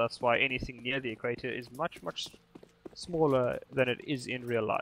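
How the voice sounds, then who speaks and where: With a bright, sharp tone and fairly even intonation, a man of medium pitch speaks at a moderate pace in a dry, close sound with no echo. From South Africa. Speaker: esports commentator. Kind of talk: live commentary.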